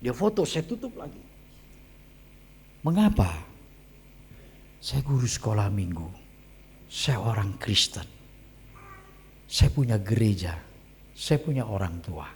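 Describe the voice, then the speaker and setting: A man preaching a sermon during a church service. He tells a story in an animated way and acts out scenes with sound effects. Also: on the low side, takes it slowly, long pauses. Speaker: pastor. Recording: long church-hall reverb.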